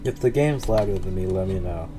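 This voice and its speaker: A woman's voice: a bass voice, lively intonation, brisk. A woman streaming a game with casual, flippant, sweary commentary. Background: game music.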